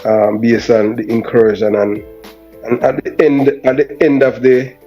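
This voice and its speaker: A man's voice: mid-range voice, little pitch movement, unhurried, warm tone. A man with a Jamaican accent speaking as an interview guest in casual patois sprinkled with Rasta speech. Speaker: guest, former police officer. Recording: dull lo-fi sound, music behind.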